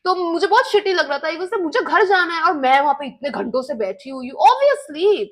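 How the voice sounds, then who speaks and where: Young woman vlogger, high voice, chatty and expressive, tells her story and drops english phrases in here and there. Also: normal speed. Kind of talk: casual storytelling.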